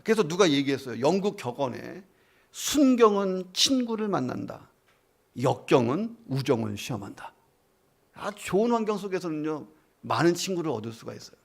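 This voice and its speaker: A man's voice: a little high, vocal fry. A male pastor preaching a sermon. He tells a story and asks his listeners questions.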